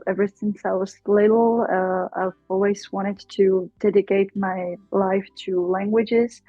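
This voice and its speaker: As an interview guest, a young adult Czech teacher from the Czech Republic speaks casual English with a Czech accent, thoughtful and often pausing, with many fillers and restarts. Her mid-range voice is mellow, and the dull audio has no room sound.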